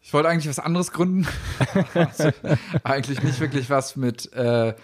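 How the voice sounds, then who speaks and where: A man's voice: on the high side, normal speed. A young man from Belgium, a startup founder, talking as a guest in a casual interview, hesitant and thinking aloud with many fillers.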